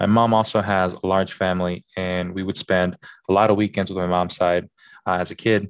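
With a Californian accent, a man speaks in a very deep, low pitch. His intonation is monotone and flat, and the sound is dry and close with no echo. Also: quiet background. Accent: general American, Californian. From Los Angeles, California. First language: Spanish. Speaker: lawyer. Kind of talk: panel discussion.

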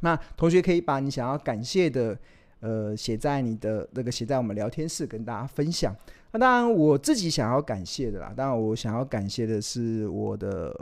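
A man speaks in a plain, everyday voice at medium pitch and a moderate pace. His intonation is lively, and the background is quiet. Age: 40s. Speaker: investment educator. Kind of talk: livestream lecture. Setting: livestream.

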